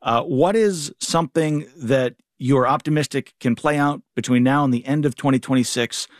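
A man's voice: medium pitch, moderate pace, dry recording, clean studio sound. A man hosting a radio talk show panel, asking long, informal questions with restarts. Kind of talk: moderating a panel discussion.

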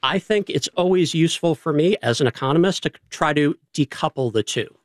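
A man's voice: a little high, lively intonation, dry recording, clean studio sound. New York–accented male economist. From New York City. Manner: articulate, deliberate, uses rhetorical questions. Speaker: state economist, panel guest. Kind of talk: measured expert explanation.

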